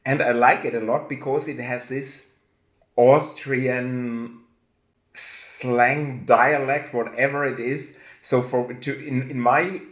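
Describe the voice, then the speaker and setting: German-native male host, slow halting delivery, echoey room, video call. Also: medium pitch, fairly even intonation, fairly bright tone. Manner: hesitant, halting, laughs often. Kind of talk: casual chat.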